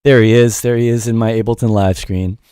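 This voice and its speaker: A man's voice: lowish voice, fairly even intonation, brisk, mellow, clear, resonant tone, dry recording, clean studio sound. A middle-aged man giving a casual livestream music production lesson in a rambling, informal, self-deprecating way. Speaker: music production teacher and show host.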